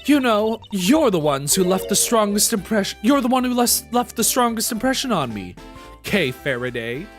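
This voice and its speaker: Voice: mid-range voice, sing-song, normal speed, faint music behind, lightly acted. Streamer putting on a smug theatrical villainess. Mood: smug, menacing. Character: theatrical, taunting female master thief villain. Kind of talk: video game dialogue read aloud.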